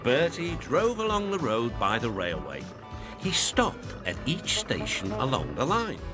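A man's voice: mid-range voice, wildly swooping pitch, unhurried. British man narrating a storybook. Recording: music playing behind.

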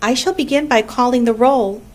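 A woman reading a storybook aloud, voicing a wise, precise female spider who runs a barn meeting in a brisk, tart, schoolmarmish way. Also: a little high, voice pushed up, natural voice.

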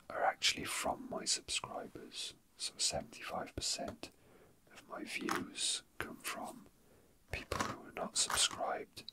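Slow, whispering male ASMR host. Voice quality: soft breathy whisper. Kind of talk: whispered ASMR, casual unscripted rambling.

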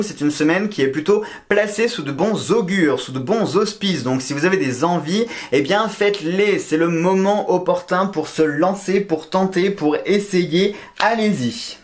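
A man giving a casual weekly horoscope reading, joking around and counting scores aloud. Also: a little high. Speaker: astrology and tarot reader.

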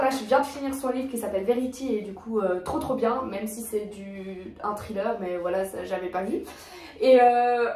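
A woman's voice: a little high, darkish tone. A young woman chatting casually as a vlogger, talking with many fillers and restarts. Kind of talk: casual chat. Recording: echoey room, voice from far off.

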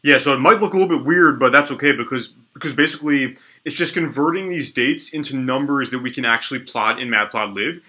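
A man's voice: medium pitch, quick pace, few pauses. A young man with a stuffy, sniffly voice from allergies, casually talking through a coding tutorial at his desk with lots of ums and restarts. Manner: relaxed, lots of ums and restarts, thinks aloud while typing. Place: small indoor room at a desk.

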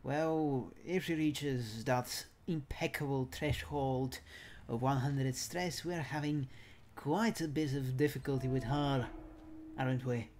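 A man's voice: mid-range voice, fairly even intonation, slow pace, a little mellow, a little hiss or hum. A man giving playful let's play commentary in a theatrical, mock-genteel manner with a put-on accent. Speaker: gamer commentating own play.

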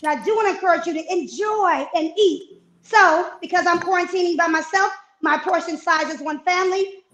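A woman in her fifties on a video call from her home kitchen, giving healthy eating tips in an energetic, coaching way. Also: very high-pitched, a little fast, roomy sound. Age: 50s. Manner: energetic, coaching, emphatic repetitions. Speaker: fitness and nutrition guest. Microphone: wireless earbuds on a video call.

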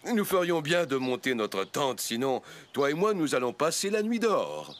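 Animated, playful cartoon grandpa. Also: male voice, a little high, moderate pace, slight background noise. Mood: cheerful. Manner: animated, encouraging. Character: cheerful, playful grandfather of a small boy. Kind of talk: French children's cartoon dub. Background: background music.

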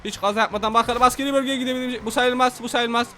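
High, bright-voiced excitable young man. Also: rapid-fire. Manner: rowdy, repeats himself, trash-talks. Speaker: gameplay commentator. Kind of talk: excited let's-play commentary.

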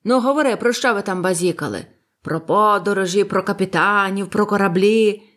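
A woman voicing a loud, blustering, one-legged old male ship's cook in an audiobook. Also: on the low side, expressive, a little slow. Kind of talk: audiobook character voice.

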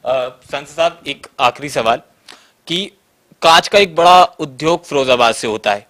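Male reporter, Western Uttar Pradesh Hindi accent, slightly high voice, long questions with fillers. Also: animated, a little slow, a bit bright. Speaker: reporter, interviewer. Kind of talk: field interview questions.

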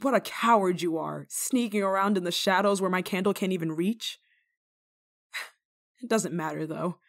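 A woman playing a stern but kind-hearted village nun in a dramatic roleplay monologue, scolding and teasing with theatrical pauses. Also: on the low side, creaky. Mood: indignant, scolding.

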